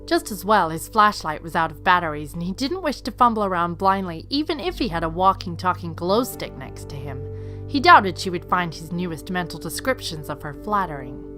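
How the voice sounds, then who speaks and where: A woman's voice: on the low side, big pitch swings, fairly quick, fairly bright tone. A woman reading scripted third-person story narration as the narrator of an audio drama. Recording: faint music behind. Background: faint music.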